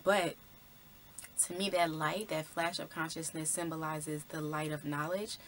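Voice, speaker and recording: A woman vlogger talks through a film's symbolism in a loose, conversational way, full of ums and likes. Her voice is low-pitched. A faint noise runs behind her. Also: steady tone, a little slow. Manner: conversational, many fillers like "um" and "like". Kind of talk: casual film commentary.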